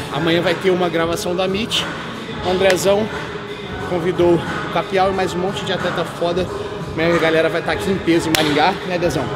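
A man talks over loud background noise. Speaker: bodybuilder vlogger. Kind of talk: casual vlog chat. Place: gym.

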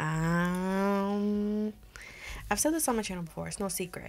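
A woman talks in an animated tone. Her pitch variation is ordinary. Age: 20s. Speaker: YouTuber giving advice and reading viewer stories. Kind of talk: casual advice vlog with read-out stories. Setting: home video recording to camera. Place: home room. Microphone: studio mic.

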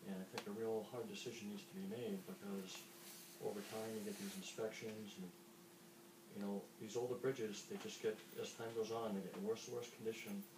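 Speech comes at a fairly quick pace over noticeable background noise. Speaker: municipal official. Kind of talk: public board meeting. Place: meeting room. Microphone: camera far.

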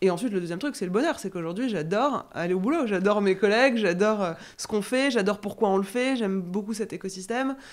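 A woman speaks at a very fast pace. Her pitch variation is ordinary. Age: 30s. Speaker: fintech company CEO; guest. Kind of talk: interview. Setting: at a blockchain conference in Paris. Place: studio. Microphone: studio mic.

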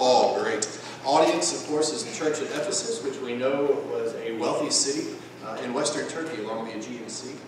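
Over noticeable background noise and strong room echo, a man speaks with ordinary pitch variation and long, frequent pauses. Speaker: preacher. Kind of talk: sermon. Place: church.

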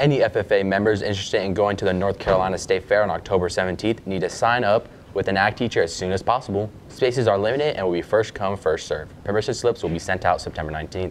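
A man speaks at a very fast pace with hardly any pauses. His pitch is fairly low, and there is light background noise. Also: ordinary pitch variation. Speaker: student announcer. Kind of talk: read announcements. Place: studio.

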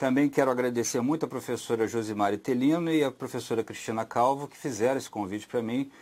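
A man with a Carioca accent speaks at a very fast pace. His intonation is fairly even, while his loudness swings widely. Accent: carioca Brazilian Portuguese. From Rio de Janeiro, Brazil. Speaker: geriatrician; physician lecturer. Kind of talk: lecture. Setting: web lecture. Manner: hesitant, many fillers. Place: studio. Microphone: lapel.

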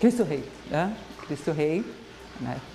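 Noticeable background noise sits under a woman speaking at a very deep, low pitch. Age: old. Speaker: TV cooking show host. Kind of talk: TV cooking segment chat; sponsor promotion. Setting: TV studio kitchen.

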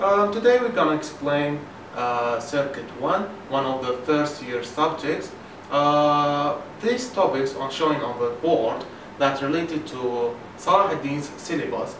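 With an Arabic accent, a man speaks at a fairly slow pace in a fairly high pitch with lively intonation. The recording carries audible room echo and light background noise. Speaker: electrical engineering student. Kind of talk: lecture intro to camera. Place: home room. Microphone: camera far.

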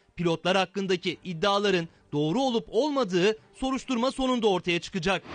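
A man speaks at a high pitch and a fairly quick pace, with ordinary pitch variation and hardly any pauses. The sound is dry and close with no echo, and his loudness is very even. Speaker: news correspondent. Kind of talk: live news report.

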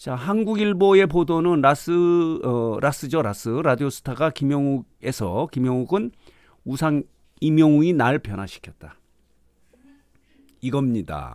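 Against a quiet background, a man speaks fairly slowly with long, frequent pauses. His intonation is lively and the sound is dry with no echo. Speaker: news commentator / YouTube host. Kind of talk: news commentary narration. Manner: fluent, enthusiastic, with filler words.

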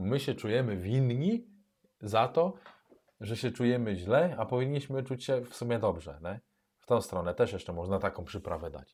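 An ordinary speaking voice from a man, medium in pitch, with lively intonation, big swings in loudness and a moderate pace, on a very clean recording with a silent background. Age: 40s. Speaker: addiction recovery coach. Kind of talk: casual talk with reading from book. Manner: informal, conversational.

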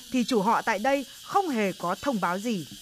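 Noticeable background noise sits behind speech delivered fairly slowly. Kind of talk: scripted narration.

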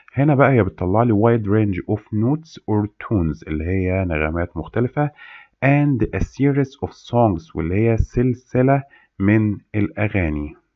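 Fairly low in pitch, a man speaks at a fairly slow pace with lively intonation. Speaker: teacher. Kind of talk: lecture.

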